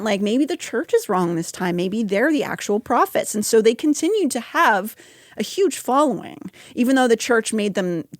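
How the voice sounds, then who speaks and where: In clean studio audio with no echo, a female podcast host with a fairly high-pitched voice keeps things casual and conversational. She's wry and talkative, dropping in asides and laughs.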